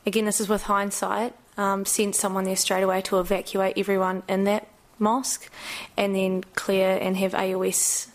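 New woman, police dispatcher testifying in court, gravelly and flat, steady and factual. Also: mid-range voice, moderate pace. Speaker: police dispatcher giving evidence.

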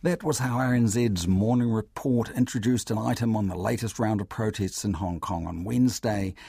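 A New man hosting a radio media program in a low, gravelly voice. His tone is dark and husky, and the studio sound is dry and close. He reads his script in a measured, even way. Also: dry recording. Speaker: radio media show host.

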